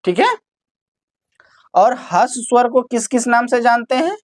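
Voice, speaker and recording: A woman's voice: on the high side, big pitch swings, a little slow, no echo, clean studio sound. A woman teaching a grammar lesson, asking her students questions and then answering them herself while repeating the key terms.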